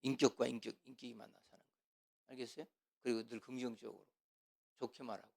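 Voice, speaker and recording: A middle-aged man teaching as a pastor in a casual, chatty way, with asides, and acting out quarrels in a loud voice. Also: medium pitch, flat delivery, quick pace, vocal fry. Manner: chatty, asides and laughs, acts out quarrels loudly. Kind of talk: casual church teaching talk.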